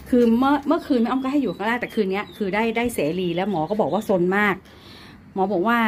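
A woman's voice: mid-range voice, slight background noise. A woman at home filming her pets on a phone, chatting casually and talking to the animals in a cooing, baby-talk way. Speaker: pet-owner vlogger.

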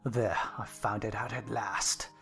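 A woman voicing a drunken, menacing country gentleman and father in a dramatized audiobook, ranting and threatening between coaxing and fury. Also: rumbling low, fairly even intonation, unhurried, gravelly, faint music behind, voice pushed down, exaggerated voice. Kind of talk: dramatized audiobook character acting.

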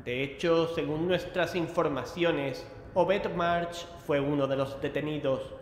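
A man's voice: on the high side, takes it slowly, slight background noise. An actor playing a resolute, solemn male investigator who leads and narrates in a horror audio drama. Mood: serious, measured.

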